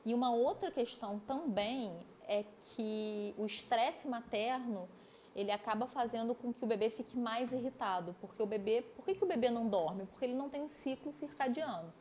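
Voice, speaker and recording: High-voiced woman explaining with energy. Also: moderate pace, a little hiss or hum. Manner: animated, explains step by step with examples. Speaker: osteopath and physiotherapist guest. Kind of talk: explanatory podcast conversation. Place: podcast studio.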